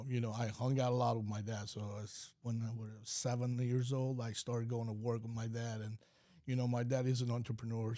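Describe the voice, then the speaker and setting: A man from California, a company president guesting on a podcast, with a mellow, warm voice at a middle pitch. He tells his stories in a rambling, easygoing way, full of fillers and restarts. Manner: rambling storytelling with many fillers. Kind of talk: podcast interview.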